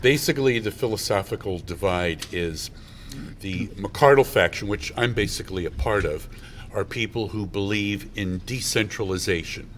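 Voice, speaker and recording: A low-pitched man explains a party dispute in firm, fluent sentences, ticking through points one after another. A faint hum of convention ambience sits behind him. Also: normal speed, fairly bright tone. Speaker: party member guest. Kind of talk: political explanation. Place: hotel convention venue.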